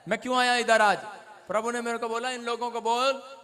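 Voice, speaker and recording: This pastor guy's got a really high, bright, ringing voice. he jokes around and barks orders at people and the camera in the middle of a church service. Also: level tone, brisk. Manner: joking, bossy, directs people and the camera. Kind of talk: playful deliverance sermon in church. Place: church service before a congregation.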